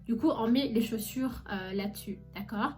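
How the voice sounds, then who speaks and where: A young woman with a fairly high voice tells a story in a casual vlog. She is chatty and animated, talking straight to her viewers. Soft music plays faintly behind her. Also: moderate pace. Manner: chatty and animated, addresses viewers directly with many fillers. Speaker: vlogger recounting her job as a shop saleswoman.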